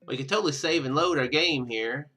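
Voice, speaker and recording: A man doing casual let's play commentary, reading game text aloud and rambling as he thinks out loud. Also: a little high, a little fast, soft background music. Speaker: gaming video host.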